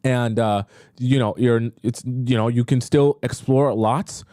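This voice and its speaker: Reading viewer messages aloud during a live stream, a young dating coach reacts with disbelief and chats casually, filler words everywhere. His medium-pitched voice is mellow, a little slow and fairly even in intonation. It's a dry, studio-quality recording.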